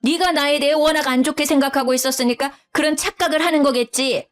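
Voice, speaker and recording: A woman's voice: fast talker, faint music behind, lightly acted. A woman voicing a domineering older mother-in-law who scolds and talks down to her daughter-in-law. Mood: scolding. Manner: scolding, shrill, condescending.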